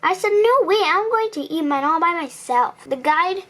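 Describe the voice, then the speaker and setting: A woman's voice: very high-pitched, animated, normal speed, a bit bright. A young girl reading a picture book aloud, acting out the quoted lines and sometimes stumbling over words. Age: child. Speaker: reader on a family video channel.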